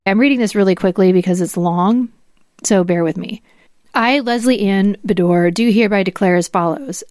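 A woman hosts a podcast, reading formal legal material aloud. Her pitch is average for a woman, and she drops in brief asides. The sound is dry and free of room echo. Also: normal speed, a little mellow. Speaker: podcast host. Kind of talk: dramatic reading of legal documents.

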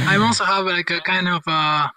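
Podcast guest, man from Argentina, bright tense voice, friendly and hesitant. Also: high voice. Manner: friendly, laughing, hesitant fillers. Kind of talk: casual interview chat.

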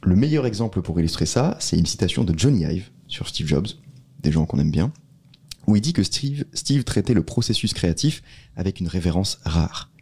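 A man co-hosting a casual podcast, laying out ideas in a steady, measured way. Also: low-pitched, slightly rough. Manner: explains rules in a steady, measured way. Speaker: podcast co-host.

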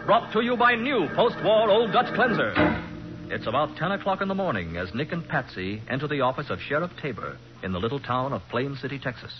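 A male American announcer delivers a scripted show opening in vintage radio style. His declamatory voice is pitched high. Loud music plays behind him on a dull old recording. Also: big pitch swings, brisk. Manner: dramatic, declamatory. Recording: muffled old radio broadcast.

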